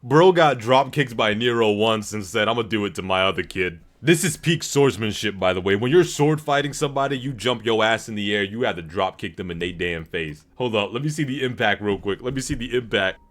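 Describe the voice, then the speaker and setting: A man streaming casual reaction commentary to his audience, talking in an excitable, slangy way with plenty of swearing. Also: on the low side, brisk, hardly any pauses. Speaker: streamer reacting to game cutscenes. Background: background music.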